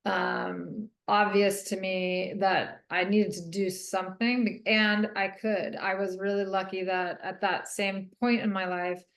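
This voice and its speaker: A woman, a guest author, answering an interview question in an earnest, halting way with frequent ums. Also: mid-range voice, flat delivery, vocal fry, echoey room.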